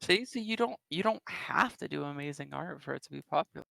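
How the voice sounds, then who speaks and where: A man's voice: on the high side, animated, a little fast, creaky, pushed and bright, dry recording. A young man hosting a casual livestream chat through a headset, easygoing and joking.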